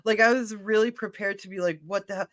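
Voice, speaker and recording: A woman's voice: medium pitch, steady tone, fast, a bit bright. A woman in her thirties co-hosting a reaction stream, chatting casually, joking at her own expense and swearing freely. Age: 30s. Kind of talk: casual chat.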